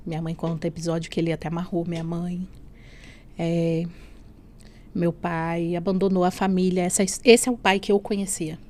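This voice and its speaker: A woman's voice: fairly low pitch, flat delivery, normal speed, dark tone. A woman from Brazil telling her personal faith testimony as a podcast guest, earnest and emotional, often adding "né?". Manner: earnest, often adds "né?" and "assim".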